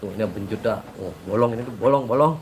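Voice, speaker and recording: A man's voice: on the low side, quick pace, noisy background. Stuffy-nosed man with a Cirebon accent. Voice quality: hoarse. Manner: rambling, repetitive, jokey. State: nasal, blocked nose. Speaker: religious teacher and channel host. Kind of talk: casual talk to subscribers with sung prayers.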